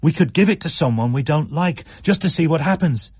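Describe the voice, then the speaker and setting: A man's voice: a little high, animated, fairly quick, darkish tone, breathy edge, no echo, studio quality, pitched above the performer's own voice. A man voicing an anxious, eager schoolboy who talks breathlessly and pleads. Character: anxious young schoolboy, the storyteller as a child.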